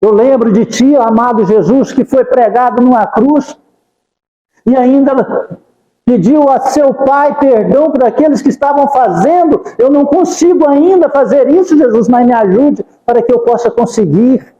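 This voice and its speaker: A man's voice: very high voice, normal speed, warm tone, roomy sound, in a large hall, highs cut off. A man giving a devotional talk at a spiritist center, speaking fervent, pleading prayers and repeating the name of Jesus. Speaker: spiritist lecturer.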